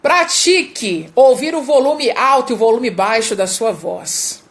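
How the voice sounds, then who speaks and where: Female speaking coach, Brazilian accent, high voice, emphatic and repetitive for stress. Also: expressive, measured pace. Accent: Brazilian Portuguese. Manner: emphatic, repeats key words, demonstrates vocal exercises. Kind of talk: live-streamed speaking lesson.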